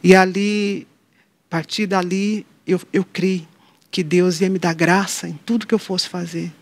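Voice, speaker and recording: A woman's voice: on the low side, a little slow. Middle-aged woman telling a faith story. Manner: lively storyteller who acts out quoted dialogue. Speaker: interview guest, mother of an atypical child. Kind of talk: personal faith testimony in conversation.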